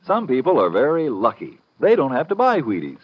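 A man's voice: medium pitch, huge pitch swings, fairly quick, loud music behind the voice. An American man giving folksy, colloquial sales patter as the announcer of a 1950s radio advertisement. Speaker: commercial announcer. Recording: muffled vintage radio recording.

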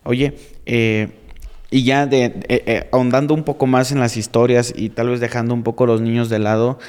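A man's voice: medium pitch, flat delivery, normal speed, a little mellow, smooth. A man hosting a podcast, asking curious follow-up questions in a conversational interview. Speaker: podcast host. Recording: roomy reverb.

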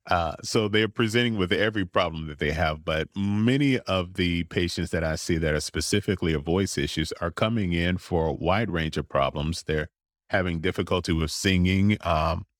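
A man who specializes in voice disorders, answering interview questions in a measured, explanatory way and now and then acting out what patients say. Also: deep voice, no room sound, studio quality. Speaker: voice specialist clinician.

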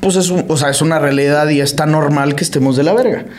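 A man's voice: a little high, fast, a little mellow. A Mexican man with a Mexican accent hosting a casual football podcast with friends, joking and slangy, laughing often. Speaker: podcast host. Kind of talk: casual chat among friends.

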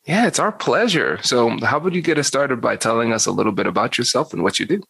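A man's voice: medium pitch, expressive, fast talker, gravelly, fairly bright tone, husky, no room sound. A man hosting a negotiation podcast, giving a polished intro and then interviewing a guest. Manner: polished, promotional delivery. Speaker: podcast host.

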